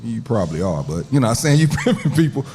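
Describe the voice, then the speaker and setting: A man hosting a casual interview, playful and excitable, laughing often as he reacts. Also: mid-range voice, quick pace, a little hiss or hum. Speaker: interview host.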